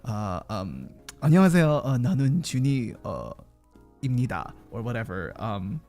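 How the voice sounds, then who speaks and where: A man hosting a casual stream, chatting in an animated way and laughing often. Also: on the low side, fast talker, soft background music. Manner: animated, laughs often, usually shouts into mic. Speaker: streamer host. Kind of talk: casual chat while crocheting.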